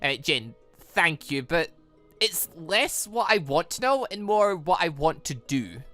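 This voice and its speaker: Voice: mid-range voice, sing-song, a little slow, pushed and bright, soft background music. A game streamer playing an emotional young daughter in a visual novel, speaking in an earnest, pleading way. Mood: hesitant.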